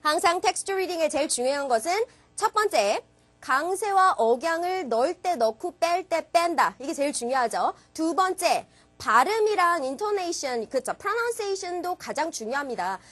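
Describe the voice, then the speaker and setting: Instructor type: high, very animated woman, energetic lecture delivery. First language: Korean. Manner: lively, sing-song, stretches English words slowly when modeling. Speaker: English speaking test instructor. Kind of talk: energetic lecture with model readings.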